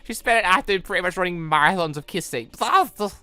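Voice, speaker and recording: A woman giving excitable, giggly let's play commentary as a gaming channel host. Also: on the low side, quick pace, dry recording, faint music behind. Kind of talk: let's play commentary with read-aloud dialogue.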